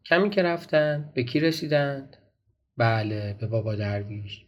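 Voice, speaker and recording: A man reading a folk tale aloud for a podcast, in a gentle storytelling way that turns to ask the listeners questions. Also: medium pitch, fairly even intonation. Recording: dull, slightly noisy recording.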